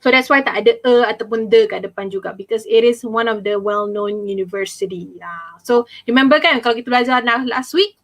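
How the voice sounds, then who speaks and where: A young woman with a Malaysian accent teaching an online English class, mixing in Malay and reading examples slowly with stress. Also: on the high side, fairly bright tone. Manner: chatty, fills with "okay" and "ah". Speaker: English tutor.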